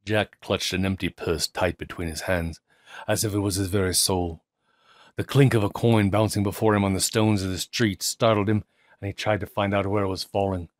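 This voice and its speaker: Low-voiced man telling a dramatic tale. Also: fairly even intonation, dry recording, studio quality. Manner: theatrical, with deliberate pauses and emphasis. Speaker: audiobook narrator. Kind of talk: dramatic literary storytelling.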